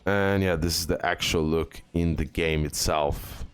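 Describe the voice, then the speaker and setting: A man hosting a gaming update in a casual, halting way, often pausing on fillers and tagging phrases with quick check-ins. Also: rumbling low, steady tone, clean tone, faint music behind. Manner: informal, halting delivery with repeated filler words and check-in tags. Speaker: gaming content creator and host. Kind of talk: casual gaming news commentary over on-screen images.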